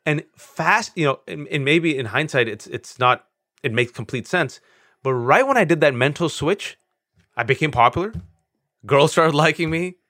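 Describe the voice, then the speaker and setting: A man in his forties talking candidly as an interview guest, earnest and animated, with self-mocking storytelling. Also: on the high side, moderate pace, dry recording, clean studio sound. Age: 40s. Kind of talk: candid conversation.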